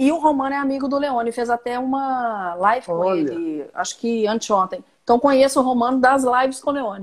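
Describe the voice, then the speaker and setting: Intonation is lively and the pace fairly quick. There are hardly any pauses. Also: woman, high pitch for a woman. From Minas Gerais, Brazil (Itaúna). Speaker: speech therapist hosting live talk show. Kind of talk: casual chat. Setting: live stream video call.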